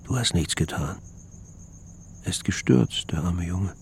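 A man narrating in the inner voice of a brooding, jealous husband in a radio play, measured and often whispered. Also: low-pitched, animated, gravelly, a little mellow, slight background noise, exaggerated voice.

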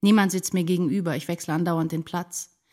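An actress playing a troubled, introspective woman writer in a literary radio drama monologue, brooding and deliberate. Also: lowish voice, steady tone, darkish tone, lightly acted. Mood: brooding, reflective. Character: troubled, introspective woman writer narrating her inner life. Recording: music behind the voice.

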